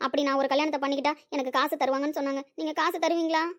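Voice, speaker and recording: Woman as a young woman pleading for help, high and fast, audio drama. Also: steady tone, lightly acted. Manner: pleading, urgent. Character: desperate young woman needing money for her father.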